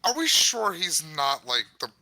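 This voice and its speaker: A man's voice: on the high side, wildly swooping pitch, moderate pace, sharp tone. A man co-hosting casual, profane comedic commentary in a blunt, mocking, exasperated manner. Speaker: co-host.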